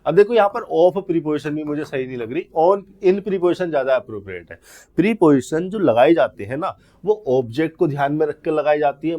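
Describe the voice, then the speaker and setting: A man's voice: a little high, darkish tone. Man teaching English grammar in Hindi. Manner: explains step by step, often asking and answering his own questions; slows right down to read out example sentences word by word. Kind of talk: exam-prep grammar lesson.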